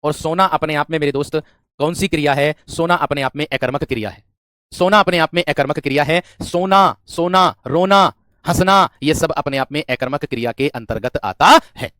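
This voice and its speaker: This is a man teaching a grammar class for exam candidates. He keeps asking questions and answering them himself, and he often repeats phrases. His voice sits somewhat high and is recorded dry and close. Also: moderate pace, fairly bright tone, smooth, dry recording. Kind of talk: exam-prep grammar lesson.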